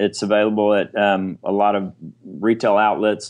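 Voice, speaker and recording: This is a man speaking. He has a Texan accent. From Texas, Dallas suburbs. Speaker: sports agent. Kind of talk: interview.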